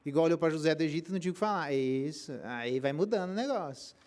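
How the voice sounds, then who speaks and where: A middle-aged Brazilian pastor preaching a Bible exposition, telling stories with colloquial slang and rhetorical questions. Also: male voice, on the high side, lively intonation, rapid-fire, a little mellow. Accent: Brazilian Portuguese.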